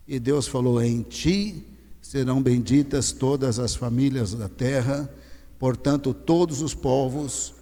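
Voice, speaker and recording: A male pastor preaching a sermon, swinging from low, slow emphasis to loud, rising exhortation. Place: large church hall. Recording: long church reverb.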